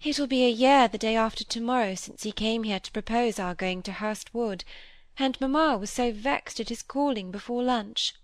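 Woman doing a shy anxious young girl, hesitant, bit higher voice, dry close read. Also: moderate pace, no room sound, lightly acted. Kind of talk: audiobook character voice.

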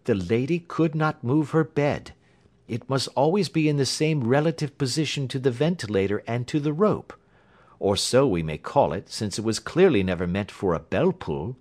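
A man voicing a sharp-minded male detective, speaking in a crisp, explanatory manner. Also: medium pitch, animated, normal speed, voice pushed up, natural voice. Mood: intense. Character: Holmes, sharp reasoning male detective, adult.

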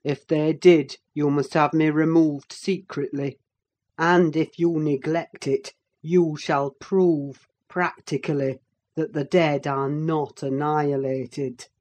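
A reader voicing a sleepless brooding man, unhurried, grave and intense, somewhat raised pitch. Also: little pitch movement, a little mellow. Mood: cold. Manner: grave, intense, slow declarations. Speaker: character in an audiobook. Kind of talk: dramatic audiobook reading.

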